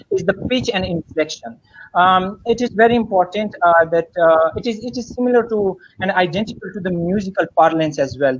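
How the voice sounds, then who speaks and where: A man's voice: high-pitched, muffled recording, a little hiss or hum. A man giving a spoken lesson on public speaking, hesitant and full of fillers and restarts. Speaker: guest speaker.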